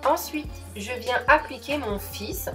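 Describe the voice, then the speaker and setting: A woman's voice: fairly high pitch, slow, pushed and bright, soft background music. A young woman narrating her makeup tutorial as a chatty, enthusiastic voice-over. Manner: chatty, enthusiastic, addresses viewers as girls. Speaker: beauty vlogger.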